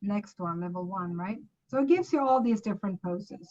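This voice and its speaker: A woman's voice: mid-range voice, expressive, normal speed, a little mellow, highs cut off. A woman from Sweden with a Swedish accent, casually walking viewers through apps on a shared screen, chatty and loose, correcting herself as she goes. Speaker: presenter.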